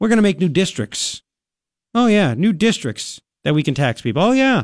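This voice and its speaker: In a very clean, dry, close recording with no echo and a silent background, a man speaks in an animated tone at a high pitch, with very wide pitch swings, very even loudness, a moderate pace, and long, frequent pauses. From New York. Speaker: talk radio host. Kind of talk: political talk radio monologue. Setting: radio studio.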